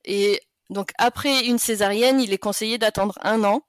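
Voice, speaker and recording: A woman's voice: mid-range voice, fairly even intonation, moderate pace, dry recording. Chatty French woman in her thirties, dry. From France. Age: 30s. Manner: chatty, laughs often between sentences. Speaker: podcast guest. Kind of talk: casual interview chat.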